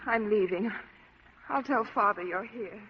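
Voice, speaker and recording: An actress playing a bitter, sharp-tongued young woman in a 1940s-style radio drama. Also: medium pitch, a little slow, slight background noise, natural voice. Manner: cutting, bitter. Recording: dull lo-fi old radio recording.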